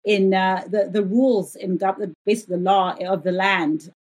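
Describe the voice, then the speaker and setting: A woman's voice: medium pitch, fairly even intonation, moderate pace, breathy edge. A woman in her fifties from Zambia, a guest economist talking thoughtfully in an interview, with frequent fillers. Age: 50s. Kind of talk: interview conversation.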